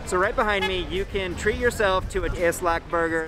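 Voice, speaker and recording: Clear music sits in the background as a man speaks in a high voice, the sound dry with no echo. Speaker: travel food vlogger. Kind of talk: casual vlog chat. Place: street. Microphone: phone near.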